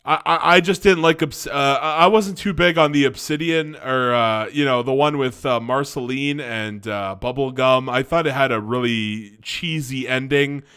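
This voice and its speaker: A man's voice: medium pitch, normal speed, hardly any pauses, a bit bright, clean tone. A young man with a stuffy cold voice, casually reviewing cartoons on his channel with lots of restarts and fillers. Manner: rambling, many restarts and fillers.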